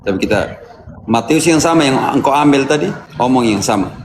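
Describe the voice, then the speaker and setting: A man's voice: medium pitch, animated, a little fast, slight background noise. A man, a Catholic priest, answering callers on a live Bible talk, calling out verses and preaching with emphasis.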